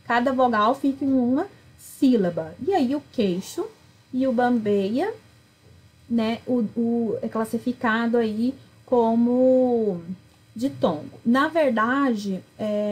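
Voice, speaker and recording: A woman's voice: a little high, unhurried, a little mellow, slightly rough, low-quality recording. A woman teaching a recorded grammar lesson, explaining patiently and checking in with frequent tag questions. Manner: self-corrects mid-explanation. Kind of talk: recorded video lesson walking through exercises.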